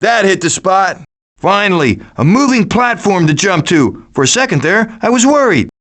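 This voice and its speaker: This is a man's take on a smart-mouthed, overconfident raccoon who leads a crew of foraging critters, done in animated game fashion with sarcastic, glib lines. The voice sits high, moves at a moderate pace, and is strongly performed.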